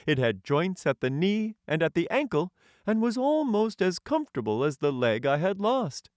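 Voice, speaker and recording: A man's voice: high-pitched, big pitch swings, moderate pace, a little mellow, dry recording, clean studio sound, voice pushed up. A man voicing a proud, courtly tin man emperor who tells stories in formal, grand storybook language, cheerfully pleased with himself. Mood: earnest, cheerful. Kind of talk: audiobook character voice.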